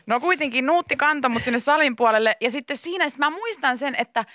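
Lively bright-voiced woman telling a story. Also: sits high, no echo. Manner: animated storytelling, laughing often. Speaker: radio host. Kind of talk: casual chat. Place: radio studio.

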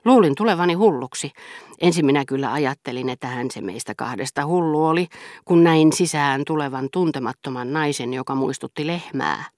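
A woman voicing a witty, sharp-tongued aristocratic duchess who mocks with theatrical exclamations in an audiobook. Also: deep voice, no echo, studio quality, close to an everyday voice. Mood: mocking. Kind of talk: audiobook character reading.

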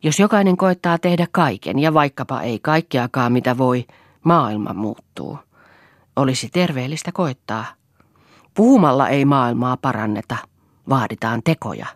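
A woman reading an audiobook, voicing an earnest wife who pleads and then turns quietly defiant. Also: a bass voice, lively intonation, no echo, clean studio sound.

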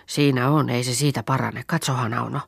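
A woman voicing a practical young farm girl in a storybook, brisk and matter-of-fact. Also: extremely low pitch, fairly even intonation, gravelly, husky, dry recording, clean studio sound, full character voice. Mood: plain.

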